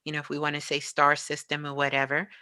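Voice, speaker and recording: A woman's voice: sits low, completely flat delivery, quick pace, bright, forceful tone, dry recording, studio quality. A woman speaking reflectively and conversationally as an interview guest and spiritual teacher, often checking in with the listener. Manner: frequently checks in with "you know".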